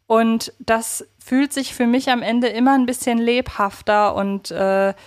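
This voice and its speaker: A woman's voice: fairly high pitch, fairly even intonation, a little slow. A woman co-hosting a podcast in casual chat, talking reflectively and thinking aloud. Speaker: podcast co-host.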